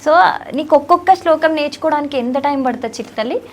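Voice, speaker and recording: A woman's voice: sits high, fast. A woman with a Telugu accent interviewing a young child in a playful, teasing, affectionate way. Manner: teasing, affectionate, animated questions.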